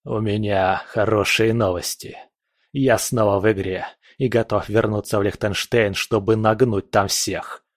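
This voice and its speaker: A man voicing a hoarse, furious male rebel leader who growls through his teeth. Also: on the low side, steady tone, measured pace, no room sound, clean studio sound, lightly acted. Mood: bitter. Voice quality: hoarse, raspy.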